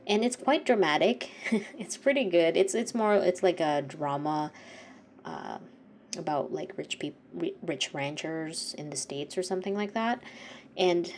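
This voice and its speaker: Her voice runs low and expressive here, paced in a measured way, with a little hiss or hum on the recording. The sniffly, congested vlogger paints in her home studio, speaking softly, rambling and repeatedly correcting herself.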